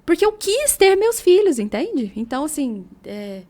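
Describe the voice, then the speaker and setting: A young Brazilian mother speaks as an interview guest with a Brazilian Portuguese accent. Her voice is high-pitched, and she talks earnestly, stressing her points and readily agreeing. The style is relaxed conversational chat. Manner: emphatic, earnest, quick to agree.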